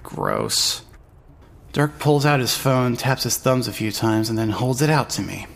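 A man's voice: mid-range voice, sing-song, measured pace, creaky, exaggerated voice. An actor with a male-sounding voice playing a groggy, irreverent young trans woman with a casual, sardonic manner in a fan-dub audio drama. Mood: wry, uneasy. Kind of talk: scripted first-person dialogue and narration.

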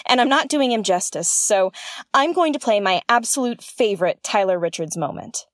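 A woman's voice: mid-range voice, animated, moderate pace, close to an everyday voice. A woman playing an earnest, intense investigator who hosts a conspiracy podcast in an audio drama. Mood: smitten, admiring. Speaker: podcast host. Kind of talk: scripted audio drama narration.

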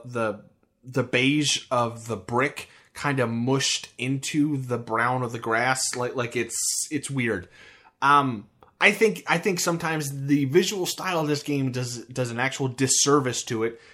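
A man with an American accent and a mid-range, slightly bright voice co-hosts a podcast about a video game. His casual chat rambles, with frequent restarts and fillers.

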